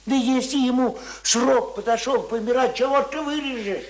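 A man's voice: very high-pitched, moderate pace. An actor in a radio play voicing a grumbling, stubborn old village man with sarcastic, rustic speech. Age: older. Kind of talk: radio play acting of rural folk dialogue. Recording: roomy, echoing radio drama recording.

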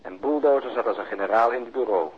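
An actor playing a blunt, talkative police colleague complaining on the telephone in a radio drama. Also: male voice, medium pitch, fast talker, lightly acted. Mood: wry, recounting. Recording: muffled, noisy telephone-scene radio recording.

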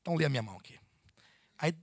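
Brazilian bishop preaching to his church, high voice that jumps all over, lots of questions, dry close sound. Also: very fast, no room sound. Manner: animated, rhetorical questions, addresses listeners as "queridos". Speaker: bishop teaching a Bible study. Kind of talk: conversational sermon to a congregation. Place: church meeting hall.

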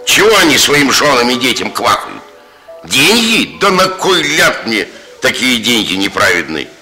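Blunt, folksy working man with a bright, lively voice. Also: mid-range voice, a little slow, faint music behind, heavily acted, rough recording. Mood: preachy. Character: blunt working-class man lecturing about honest labour. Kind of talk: 1960s radio drama acting.

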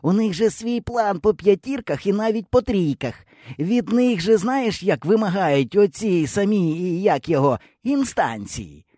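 A man's voice: high voice, expressive, measured pace, dark tone, no echo, studio quality, pitched above the performer's own voice. A man voicing a cocky, sly village boy in an audiobook. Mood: sly, boastful. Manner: knowing, sly. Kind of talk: audiobook character voice.

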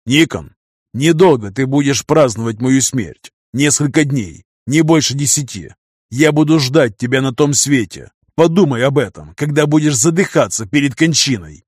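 A man voicing a hot-tempered hero in an audiobook, shouting in raised, furious bursts. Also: medium pitch, lively intonation, normal speed, dry recording, studio quality, lightly acted. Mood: bitter threat. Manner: loud, raised, furious outbursts. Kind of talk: audiobook character reading.

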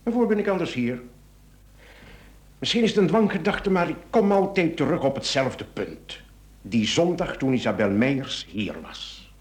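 A man's voice: on the high side, sing-song, normal speed. A man playing a shrewd police inspector in a radio drama, theatrical, probing and sardonic as he insinuates. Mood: probing, curt. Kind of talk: Dutch-language radio drama acting.

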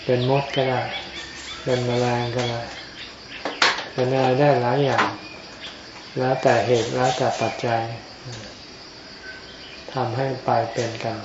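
A male Buddhist monk teaches Dhamma in a low-key murmur. He speaks slowly, in short phrases with pauses between them. The recording is echoey, with clear insect noise behind him. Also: level tone. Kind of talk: informal Dhamma sermon. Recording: echoey, dull lo-fi, noisy with insects.

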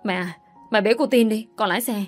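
A man's voice: high-pitched, brisk, soft background music, lightly acted. A man voicing a distraught young father who pleads frantically in a narrated story. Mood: frantic.

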